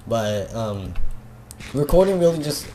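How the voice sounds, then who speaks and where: A man's voice: mid-range voice, sing-song, unhurried, dark tone, slight background noise. Hesitant rambling man, Filipino accent. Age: teenager. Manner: hesitant, self-conscious, many fillers and restarts. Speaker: gaming video creator. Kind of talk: casual rambling monologue.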